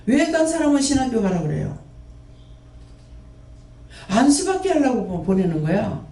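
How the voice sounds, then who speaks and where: Scolding preacher in an echoey hall. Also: male voice, extremely high pitch, very animated, normal speed, mellow. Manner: scolding, with many rhetorical questions. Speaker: prayer house director and preacher. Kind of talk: sermon. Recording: roomy echo, mic at a distance.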